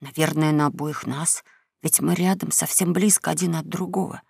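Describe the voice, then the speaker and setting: A boy who takes the lead talks in a low, secretive whisper, as a woman voices him. The storybook reading is close and dry, with a gravelly grain. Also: fairly even intonation, normal speed, darkish tone, no echo, exaggerated voice. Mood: hushed. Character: boy, the bolder leader, whispering. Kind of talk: audiobook character reading.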